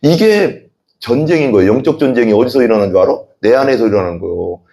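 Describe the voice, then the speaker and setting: A man preaching an evening sermon as pastor, animated, asking the congregation questions and acting out voices in the quotes he tells. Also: medium pitch, fast talker, creaky. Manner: asks the congregation questions and has them repeat.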